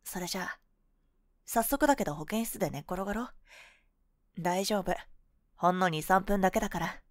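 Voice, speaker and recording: A woman plays a cool, boyish young woman, a possessive and sweetly manipulative lover, in an ASMR pillow-talk role-play, speaking soft, breathy and coaxing right at a close, dry microphone. Her voice is on the low side, at a moderate pace, close to an everyday voice, with no room sound. The mood is coaxing and confiding.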